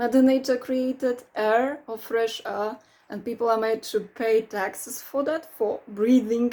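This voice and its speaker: A woman with a Polish accent speaks at a fairly slow pace in a fairly high pitch, her tone dark and mellow and her intonation fairly even, with hardly any pauses on a very clean recording with a silent background. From Poland. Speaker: YouTuber. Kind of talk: casual monologue. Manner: halting.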